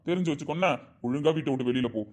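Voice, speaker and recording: In amateur family drama acting, a man plays an angry middle-aged father defending his daughter with emphatic, indignant speech. His voice is a little high and darkish, delivered very fast and lightly acted.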